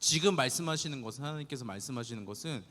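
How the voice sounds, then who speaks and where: A young adult man preaching a sermon to teenagers, earnest and animated, often asking the listeners questions. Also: medium pitch, racing, in a large hall. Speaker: youth pastor.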